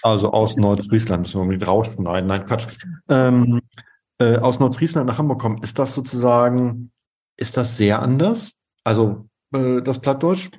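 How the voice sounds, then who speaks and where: A man hosts a podcast interview in a dark, mellow voice. He asks loose, halting questions, searches for words with lots of fillers, and now and then drops in a joke. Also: medium pitch. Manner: casual, hesitant questions with many fillers, joking.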